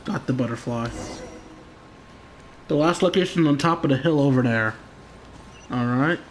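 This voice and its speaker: A man's voice: mid-range voice, moderate pace, slight background noise, low-quality recording. A young man giving casual, sarcastic gameplay commentary, talking to himself and swearing now and then.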